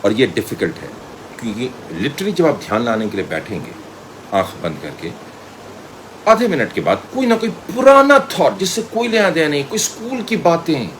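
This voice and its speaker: Middle-aged man, Indian accent, informal teaching style, lively varied pitch, storyteller's delivery, English phrases mixed in, background hum. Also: low-quality recording. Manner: animated storyteller, acts out dialogue, mixes in English phrases. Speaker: media school director and voice trainer. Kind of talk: informal lecture with personal anecdotes.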